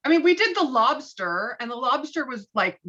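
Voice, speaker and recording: Woman w a sharp bright voice chatting casually, kinda high, muffled lo-fi video call. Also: sing-song, normal speed. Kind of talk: casual group chat. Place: remote online video call. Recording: dull, lo-fi online call audio.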